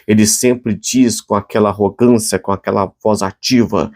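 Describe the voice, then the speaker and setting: A man's voice: on the low side, fairly even intonation, normal speed, darkish tone. A man with a Brazilian Portuguese accent preaching a short devotional sermon and closing in prayer, speaking earnestly and conversationally with frequent restarts and fillers.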